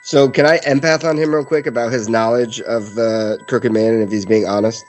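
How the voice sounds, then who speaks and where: A man's voice: mid-range voice, fairly even intonation, a little fast, music in the background. A man talking casually at a tabletop game as one of the players.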